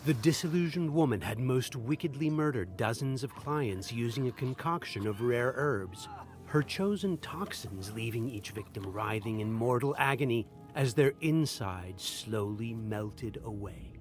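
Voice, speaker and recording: A man narrating a dark fantasy game tale as a grave storyteller, in a solemn, dramatic, measured manner. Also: medium pitch, lively intonation, faint music behind, lightly acted. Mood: grave, intrigued.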